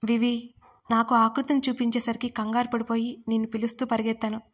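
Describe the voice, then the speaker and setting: A woman's voice: a little high, level tone, a little fast. A woman narrating a story in scripted style, reading out the characters' lines with small shifts in her voice. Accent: Telugu.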